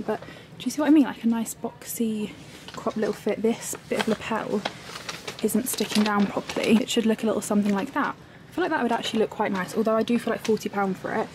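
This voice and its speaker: A woman's voice: medium pitch, noisy background. A British woman in her twenties, chatting on a handheld camera as she browses a large shop, gushing and filling her talk with "like". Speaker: vlogger. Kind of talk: shop-with-me vlog. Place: large clothing and homeware shop, indoors.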